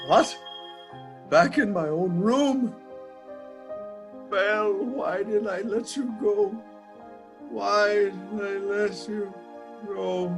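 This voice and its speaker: A man acts out an anguished old miser looking back in regret. His voice is high and his pace is very slow, in a theatrical radio play style. Music plays clearly behind him. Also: heavily acted. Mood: grieving.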